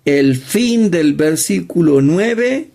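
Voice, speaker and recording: A man's voice: on the high side, expressive, drawn-out words, creaky, dark tone. A man teaching a Bible study class, emphatic and repetitive, often asking rhetorical questions.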